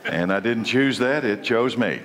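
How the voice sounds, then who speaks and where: A man's voice: medium pitch, measured pace, fairly bright tone, in a large hall. Congested man teaching a church class. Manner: conversational preaching with repeated restarts. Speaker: Bible study teacher.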